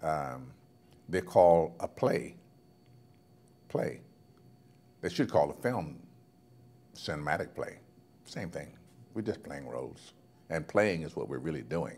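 Very deep, low pitch from a man with vocal fry, a relaxed tone, a fairly slow pace and long, frequent pauses. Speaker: film actor and narrator. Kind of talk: interview answer. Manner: relaxed, unhurried. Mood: easygoing, reflective. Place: home room. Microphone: lapel.

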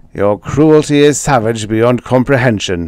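A put-on, growling character voice from a man, medium in pitch, moderate in pace, with ordinary pitch variation

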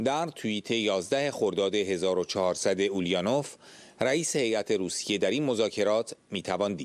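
A man talks at a moderate pace in an unremarkable speaking voice. His pitch varies in an ordinary way. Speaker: narrator reading statement. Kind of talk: reading aloud. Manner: formal.

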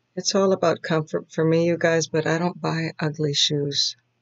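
Soft-spoken and monotone, a woman with a very deep, low pitch talks in flat intonation against a quiet background. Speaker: ASMR content creator. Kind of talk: ASMR shoe collection show-and-tell, casual talk to camera. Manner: soft-spoken, friendly. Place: home room. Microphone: webcam.

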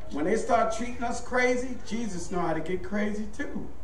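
A man talks at a moderate pace and an extremely high pitch with ordinary pitch variation, amid light background noise and audible room echo. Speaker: evangelist and prison chaplain. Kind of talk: sermon. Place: church.

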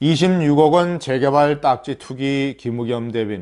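A fairly high-pitched man at a very slow pace against a quiet background. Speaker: political commentator. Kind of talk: political commentary monologue. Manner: formal.

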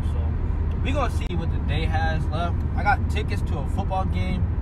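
The sound is dry with no echo, though loud noise fills the background. A man is speaking. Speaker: vlogger. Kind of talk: casual vlog chat. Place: car.

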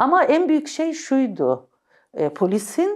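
A woman speaks at a very slow pace with vocal fry. Her pitch swings very widely over a quiet background. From Turkey, Mersin; Turkey. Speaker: former student activist; oral history narrator. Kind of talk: oral history interview. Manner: halting with many fillers. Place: studio.

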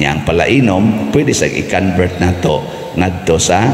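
Audible room echo surrounds a man with a very deep, low pitch, speaking at a fairly slow pace with ordinary pitch variation. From Cebu, Philippines. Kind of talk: homily with jokes. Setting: church. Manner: animated, humorous; conversational, code-switching. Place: church. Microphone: podium.

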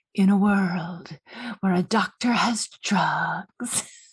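A female-sounding voice delivers lines at a very slow pace. It is a put-on character voice at medium pitch. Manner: dramatic, portentous.

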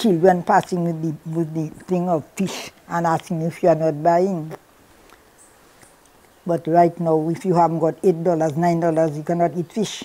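At a moderate pace, a woman speaks in a fairly low pitch with monotone, flat intonation. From Dominica. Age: 80s+. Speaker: centenarian interviewee. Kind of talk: interview answer. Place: home room. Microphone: lapel.

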